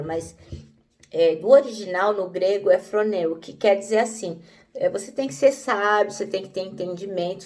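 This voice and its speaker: A woman teaching a devotional Bible lesson in a middle-pitched, gravelly voice. She speaks conversationally, with frequent tag questions. She sits a bit back from the microphone. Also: a little mellow, recorded from a distance.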